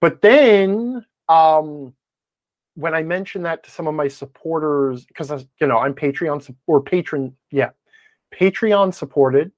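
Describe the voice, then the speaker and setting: Here a man with a fairly high, somewhat slow voice appears as a podcast guest, a game advice blogger chatting casually in an interview. He rambles, quotes himself, and leans on self-deprecating humor, and the recording has no echo.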